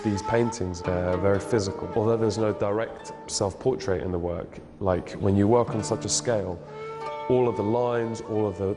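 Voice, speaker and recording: A man in his thirties, a painter, talking thoughtfully about his work and often searching for words. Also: lowish voice. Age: 30s. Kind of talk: reflective interview monologue. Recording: reverberant room with music underneath.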